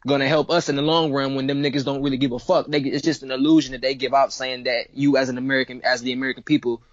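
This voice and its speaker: In casual interview conversation, a guest rapper from Cleveland, Ohio, in his twenties, talks fast, slangy, and easygoing, with lots of repetition. He has a mid-range voice with little pitch movement, and the audio is dull with no echo.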